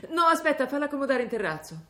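A woman's voice: sits high, big pitch swings, racing, pushed and bright, exaggerated voice. An actress playing a middle-aged mother under threat, tense and urgent in a TV drama. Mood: tense, resolved. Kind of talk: TV drama acting.

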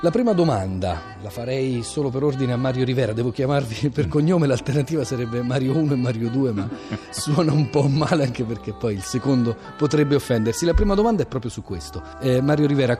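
A man's voice: medium pitch, dark tone. A man presenting and asking questions as the host of a radio interview.

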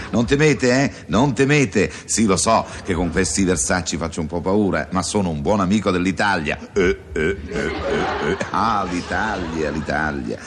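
Man doing a beeping robotic alien. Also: low-pitched. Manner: robotic beeps and bleeps between words. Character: beeping male alien visitor, friendly and playful. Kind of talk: comic sketch from archive.

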